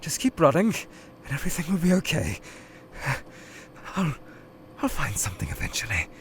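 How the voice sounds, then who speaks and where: A man voicing a formal, anxious male skeleton scientist who is lost in a void, speaking in a measured way that can turn frantic and pleading. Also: a little high, sing-song, a bit bright, slight background noise. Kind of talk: fan audio drama. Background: music.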